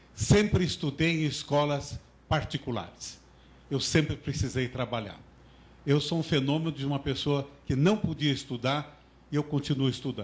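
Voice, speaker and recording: At a moderate pace, a man speaks in a somewhat breathy, fairly high voice with ordinary pitch variation. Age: 70s. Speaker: audience member, university professor. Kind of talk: audience question.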